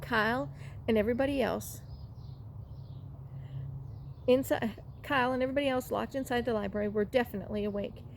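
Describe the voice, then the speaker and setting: A woman's voice: fairly high pitch, fairly even intonation, fairly quick, long pauses. A woman reading a children's storybook aloud, now and then stumbling over a word and rereading it. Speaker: library read-aloud reader. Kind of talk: storybook read-aloud narration. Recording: clearly noisy room recording.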